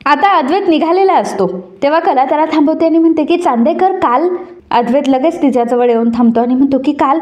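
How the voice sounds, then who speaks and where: Woman narrator, high and mellow, plain recap storytelling. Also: fast, reverberant, lo-fi sound. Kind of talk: retelling a serial episode.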